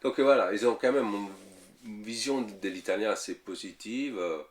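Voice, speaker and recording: A man's voice: fairly low pitch, normal speed. A man in his thirties from Italy, speaking French with an Italian accent, answering interview questions hesitantly with many fillers and repeated words. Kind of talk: casual interview talk.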